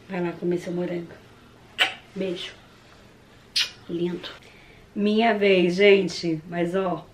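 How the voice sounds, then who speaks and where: Hoarse brazilian girl vlogging at home, raspy gravelly voice, kinda far from the mic in an echoey room. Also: on the low side, slight background noise. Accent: Brazilian Portuguese. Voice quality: husky. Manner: chatty, keeps addressing viewers. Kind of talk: casual chat to camera. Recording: roomy, distant camera mic.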